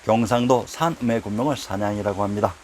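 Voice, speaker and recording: A man giving scripted narration for a history lecture series, reading out headings and citations in a measured, recited way. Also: on the low side, a little mellow, a little hiss or hum.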